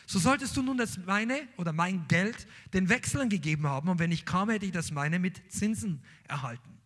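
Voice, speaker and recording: A man preaching a sermon, reading scripture aloud and then explaining it in an animated preaching manner. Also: sits high, normal speed. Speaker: pastor.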